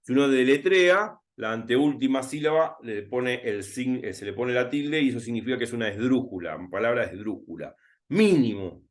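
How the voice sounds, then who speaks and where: A man with a Rioplatense Spanish accent tutors through a recorded math lesson. He talks to himself as he writes, drawing out and repeating key words at an unhurried pace. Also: medium pitch, expressive. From Argentina. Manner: thinking aloud while writing, repeating words slowly.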